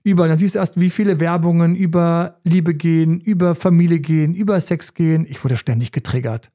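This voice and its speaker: A middle-aged man with a fairly high, mellow voice hosts a casual podcast as a coach. He tells stories with animated energy and acts out little inner voices as he goes. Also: a little fast. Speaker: relationship coach and podcast host.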